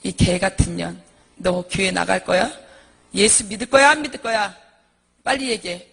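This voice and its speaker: A man with a gravelly, husky voice acting out a violent drunken husband who shouts threats and curses. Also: extremely high pitch, steady tone, brisk, big-room sound, full character voice. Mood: enraged threatening.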